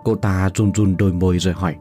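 A man narrating a first-person horror story in a dramatic, expressive way. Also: low-pitched, fast talker, soft background music.

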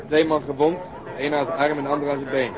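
Actor as a quick, sardonic, blunt policeman. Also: fairly high pitch, flat delivery, lightly acted. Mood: blunt, matter-of-fact. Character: sardonic, blunt policeman, unimpressed by his superiors. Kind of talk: radio drama acting. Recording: busy outdoor crowd effects behind.

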